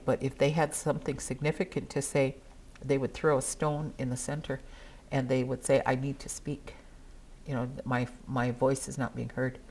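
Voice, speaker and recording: An older woman whose first language is Dakota, speaking at a gathering in a measured, earnest way with pauses. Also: a bass voice, darkish tone. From South Dakota, USA. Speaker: treaty council member.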